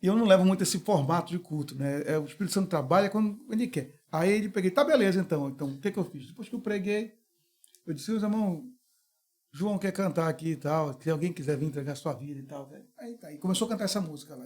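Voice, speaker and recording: Cara brasileiro pastor, fala animado e conta histórias, voz alta e aguda. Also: male voice, high voice, quick pace. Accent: Brazilian. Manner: animated, acts out voices in anecdotes. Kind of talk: casual storytelling chat.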